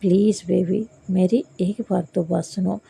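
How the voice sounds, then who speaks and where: A woman narrator puts on a jealous young woman boss in a storybook reading. The voice is deep-toned and dark, with heavy gravel and a husky edge. She swings between pleading and blaming. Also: fairly even intonation, a little slow, heavily acted. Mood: tender. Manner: pleading, then accusing.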